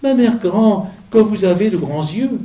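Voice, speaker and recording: A man voicing a naive little girl in a red hood from a fairy tale, in a bright, eager, exclaiming manner. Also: sits high, expressive, a little slow, reverberant, pitched above the performer's own voice. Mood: amazed.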